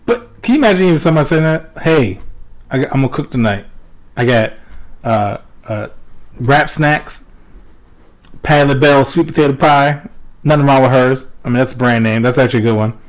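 A man's voice: mid-range voice, brisk, pauses often. A man co-hosting a casual comedy podcast, telling stories animatedly, mimicking voices and breaking into laughter. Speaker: podcast co-host.

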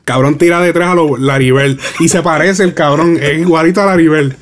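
A man's voice: fairly high pitch, fairly even intonation, fairly quick, background noise. A man co-hosting a casual entertainment news chat, joking crudely and laughing often. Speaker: podcast co-host.

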